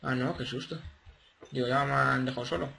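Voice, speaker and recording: Excitable gaming man, sharp voice. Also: medium pitch, fairly quick, vocal fry, slight background noise. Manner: excitable, playful, coos at his game creatures. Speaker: gameplay commentator. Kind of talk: casual gameplay commentary.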